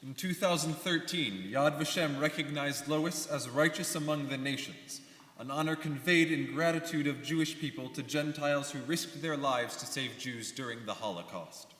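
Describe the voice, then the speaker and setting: A young man performing a scripted dramatic reading as a reflective immigrant alumnus, steady and solemn in manner. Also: on the high side, normal speed, lightly acted. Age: young adult. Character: reflective male immigrant alumnus and devoted teacher. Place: large hall. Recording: echoey hall, long reverb.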